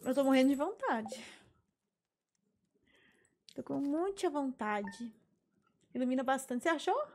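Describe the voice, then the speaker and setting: A woman's voice: sits high, lively intonation, a little slow, pauses often, darkish tone. A woman with a Brazilian Portuguese accent, chatting to herself while playing a farming game. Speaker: streamer. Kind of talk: gameplay commentary.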